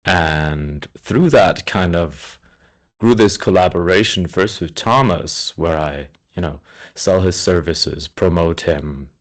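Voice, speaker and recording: A man from Switzerland talks as an interview guest in a low-pitched voice. His delivery is conversational, like someone answering a host's questions. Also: takes it slowly. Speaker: interview guest, speakers' agent.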